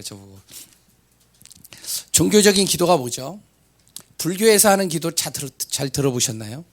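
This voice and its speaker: A hoarse man preaching a sermon, asking rhetorical questions and swinging from loud cries to hushed asides, stumbling over words now and then. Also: medium pitch.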